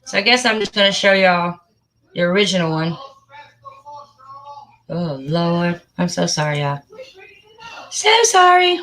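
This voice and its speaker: A woman hosting a casual livestream, chatty and excitable, muttering to herself as she searches for something. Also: on the low side, a little slow, pauses often, poor audio. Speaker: livestream host.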